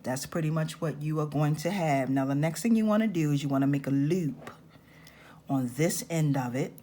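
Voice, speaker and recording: A woman's voice: low voice, noisy background. A woman, patiently talking through a jewelry-making tutorial step by step. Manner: slow, patient step-by-step instructions. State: raspy-voiced this morning. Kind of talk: hands-on craft tutorial.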